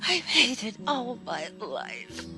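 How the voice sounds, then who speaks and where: An actress playing an anguished, bitter and unstable dying sister in a horror game, theatrical and breathy, often dropping into whispers. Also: female voice, a little high, huge pitch swings, exaggerated voice. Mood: weary despair. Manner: theatrical, tormented, drawn-out phrasing. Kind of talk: dramatic horror game acting. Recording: music behind the voice. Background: dramatic music.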